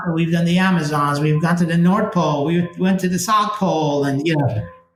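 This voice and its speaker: Music plays in the background as a man with an American accent talks at a fairly quick pace in a high voice with fairly even intonation, and the room echo is audible. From Michigan. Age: 70s. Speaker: business founder and CEO. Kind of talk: interview. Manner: relaxed, conversational with many fillers.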